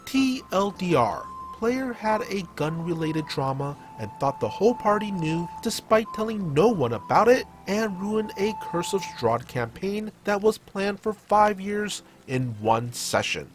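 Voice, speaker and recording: Animated male storyteller, lightly high voice. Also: unhurried, few pauses, music in the background. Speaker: host of a story-reading show. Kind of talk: dramatic scripted narration of online tabletop gaming stories.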